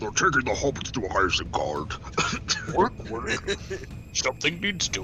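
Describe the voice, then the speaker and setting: Clear background noise accompanies the talking. The put-on character voice keeps a moderate pace. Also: man. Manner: growly, aggressive.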